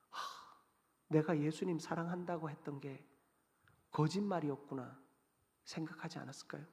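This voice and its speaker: A male pastor preaching a sermon, swinging between loud emphasis and hushed, near-whispered lines. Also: extremely high pitch. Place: church sanctuary. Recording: long church reverb.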